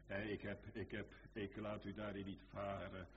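A preacher putting on the deep solemn voice of the Lord. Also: male voice, completely flat delivery, slight background noise, lightly acted. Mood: solemn tender. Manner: slow, deep, reassuring and solemn. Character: the Lord, a solemn, tender male divine voice. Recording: reverberant hall, dull lo-fi sound.

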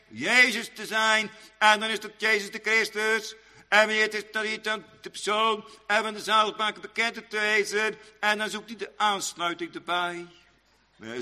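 Male preacher, sermon, very bright tone, rambling and halting, long church reverb. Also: high-pitched. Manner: rambling, repetitive, halting with many fillers; old-fashioned churchly phrasing.

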